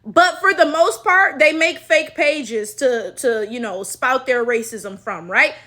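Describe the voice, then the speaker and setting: A woman from the United States with a high, bright voice delivers casual, opinionated commentary straight to her audience. Her delivery is emphatic and sardonic, full of slang and rhetorical tag questions. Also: lively intonation, unhurried. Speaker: social commentary video host.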